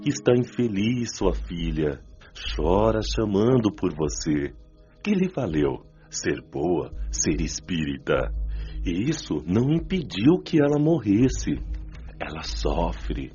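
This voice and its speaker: Malicious bearded spirit: dark, swooping taunts, cynical, radio drama, dull recording over faint music. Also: male voice, sits low, big pitch swings, heavily acted. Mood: gloating, taunting. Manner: taunting, drawn-out delivery.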